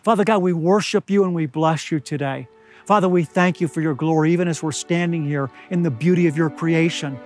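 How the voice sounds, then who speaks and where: An older man preaching a sermon outdoors at high altitude, slightly hoarse, earnest and deliberate, slowing down to stress key words. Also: soft background music. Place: outdoors among pine trees at high altitude.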